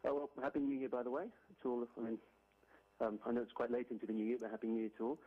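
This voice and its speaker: A man's voice: medium pitch, little pitch movement, racing. A man from Greece who lives in the UK, calling in with a question, hesitant and full of fillers and restarts, heard over a phone line. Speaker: caller. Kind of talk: call-in question. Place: Glasgow, UK.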